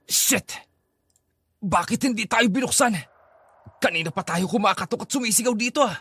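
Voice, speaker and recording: A man's voice: high voice, normal speed, breathy edge, no echo, voice pushed up, full character voice. A man doing a panicking schoolboy. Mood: panicked. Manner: shouting for help, panicky. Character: young male student, a girl's boyfriend.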